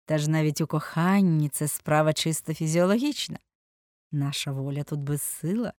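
A woman voicing a languid, witty aristocratic gentleman who drawls his ironic remarks. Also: sits low, normal speed, no room sound, clean studio sound, natural voice. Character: languid witty aristocratic Englishman, middle-aged.

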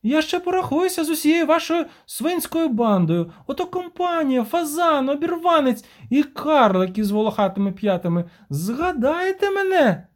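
A man voicing an enraged market woman who screams threats in a screeching falsetto. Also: sing-song, moderate pace, hardly any pauses. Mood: furious. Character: furious shrill market woman, scolding and vengeful.

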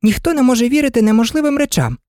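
A woman's voice: high voice, big pitch swings, racing, mellow, no room sound, clean studio sound, pitched above the performer's own voice. A woman voicing a polite, curious seven-year-old girl. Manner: polite, earnest.

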